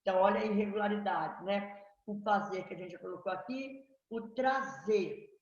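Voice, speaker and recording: A woman's voice: medium pitch, recorded from a distance. A middle-aged woman, teaching a grammar lesson in a classroom and often checking in with "tá vendo?" and "né?". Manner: explains slowly, asking "tá vendo?" and "né?". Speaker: Portuguese teacher. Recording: echoey, dull, lo-fi classroom recording.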